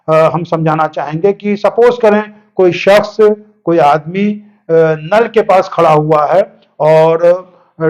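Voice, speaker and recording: A male cleric giving a religious lesson, explaining step by step, mixing English words in and repeating points for emphasis. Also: sits high. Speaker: Islamic cleric teaching religious rulings.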